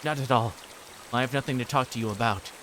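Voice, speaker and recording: A man's voice: medium pitch, fast, lightly acted. A man performs a frightened teenage boy from a visual novel. He is tense and defiant, flinging out emphatic denials. Some noise sits behind the voice. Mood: defensive, scared. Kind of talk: visual novel character read aloud.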